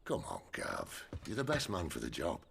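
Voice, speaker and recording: An actor playing a gruff, wry middle-aged rebel leader with a husky, commanding voice in a video game. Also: male voice, huge pitch swings, moderate pace, a bit bright, a little hiss or hum, heavily acted. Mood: wry, persuasive. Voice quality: very deep, gravelly, husky. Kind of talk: cinematic game cutscene acting.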